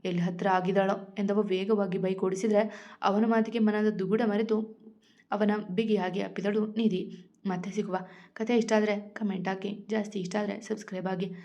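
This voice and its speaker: A woman storyteller reading a romance story aloud in a steady, even narration. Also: medium pitch, moderate pace, dull audio.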